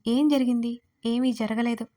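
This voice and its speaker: A woman's voice: on the high side, steady tone, normal speed, mellow, close to an everyday voice. A woman voicing a flustered timid young woman. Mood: nervous. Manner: flustered, denying, innocent.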